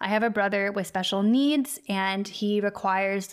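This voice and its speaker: A woman with an American accent, medium pitch and fairly even intonation. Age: 30s. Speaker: podcast host. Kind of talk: casual chat.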